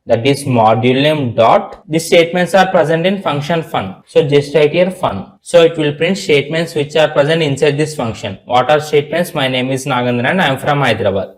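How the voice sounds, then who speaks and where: A man with an Indian accent giving a step-by-step programming tutorial in a repetitive, instructional manner. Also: medium pitch. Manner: repetitive, instructional, spells terms out letter by letter.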